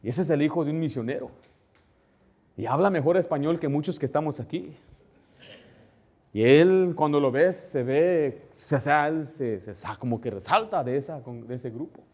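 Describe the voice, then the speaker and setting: Fairly high-voiced male pastor preaching. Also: normal speed. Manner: conversational preaching, asks congregation to follow along; rises louder and higher when stressing a point. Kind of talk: sermon.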